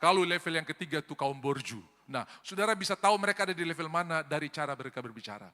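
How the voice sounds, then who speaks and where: A man preaching a sermon, his voice high and very bright. He swings from loud exhortation to quiet asides, and a long church-hall reverb trails every phrase. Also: lively intonation, rapid-fire. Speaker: pastor.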